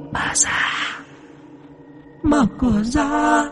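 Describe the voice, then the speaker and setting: Man putting on a creepy demon voice, slow and hissing, scary story vibes. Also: high voice, voice pushed up, full character voice. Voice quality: eerie, hissing, drawn-out. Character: savage demon possessing an old woman's corpse.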